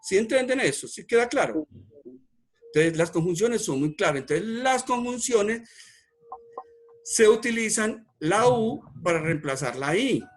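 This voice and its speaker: A man's voice: high-pitched, lively intonation, a little slow. A man teaching an online grammar class, stressing key words, repeating himself and checking that the students follow.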